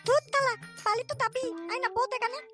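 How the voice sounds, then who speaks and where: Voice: very high voice, fairly even intonation, fairly quick, music in the background. An actor voicing a cheeky, boastful, foul-mouthed little boy with childish lisping pronunciation in a comedy cartoon. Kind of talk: comic cartoon dialogue.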